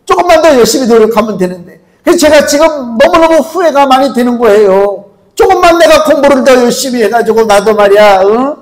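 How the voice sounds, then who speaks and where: A male pastor preaching a conversational sermon in a church, asking the congregation rhetorical questions and reading scripture slowly. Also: extremely high pitch, lively intonation, poor audio. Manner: acts out quoted voices, reads scripture slowly. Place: church sanctuary.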